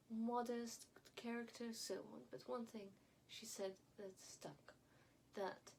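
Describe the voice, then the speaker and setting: High-voiced woman. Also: a little mellow, rough recording. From Yemen. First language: not English (English is her fourth language). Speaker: online commentator. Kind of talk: opinion commentary to viewers. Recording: clear background noise.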